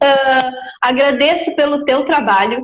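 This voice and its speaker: A woman speaks with a high pitch and fairly even intonation. Her pace is fairly slow. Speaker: nutritionist and spiritist volunteer. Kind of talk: interview. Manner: halting.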